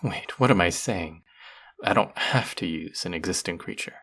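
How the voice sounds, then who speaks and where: A man's voice: low-pitched, moderate pace, creaky, fairly bright tone, heavily acted. A man playing a cruel, powerful, vain sorcerer in a fantasy audio roleplay, speaking to the listener in a theatrical, menacing drawl. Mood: musing, scheming.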